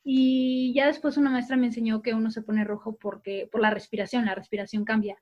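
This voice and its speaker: A woman, an actress and TV host, telling stories in a lively, animated way during a casual remote conversation. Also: on the high side, brisk, muffled recording. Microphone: video call.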